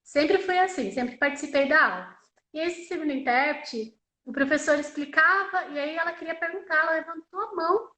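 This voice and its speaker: A woman's voice: sits high, brisk, pushed and bright, reverberant, rough recording. A woman interpreting live, voicing a deaf signer's personal story in the first person, in a conversational way with frequent tag questions and repeated phrases.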